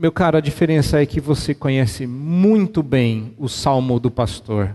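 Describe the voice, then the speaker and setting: A man's voice sits on the high side. He talks somewhat slowly. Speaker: pastor and university professor. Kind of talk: sermon.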